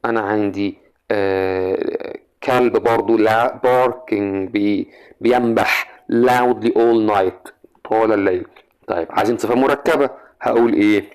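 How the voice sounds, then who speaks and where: A man's voice: on the low side, steady tone, unhurried, smooth. Chatty Egyptian man teaching grammar. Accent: Egyptian Arabic. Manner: chatty, coaxing, asks the student questions. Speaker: English teacher. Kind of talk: exam grammar lesson.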